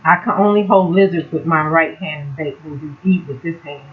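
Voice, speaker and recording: A woman's voice: low-pitched, a little fast. Chatty woman cooking on a lo-fi home video. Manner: chatty, explains each cooking step as she goes. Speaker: cooking vlog host. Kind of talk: casual cooking chat. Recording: dull lo-fi home video sound.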